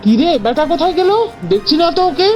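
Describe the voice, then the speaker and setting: A woman voicing a sceptical, scolding young boy in an animated cartoon, speaking in a bossy, colloquial way. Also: extremely high pitch, fast, soft background music. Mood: urgent.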